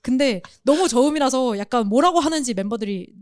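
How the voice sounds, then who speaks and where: A woman co-hosting a casual podcast chat, explaining music in an animated way and sometimes imitating sounds. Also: high-pitched, fairly quick, no room sound, studio quality.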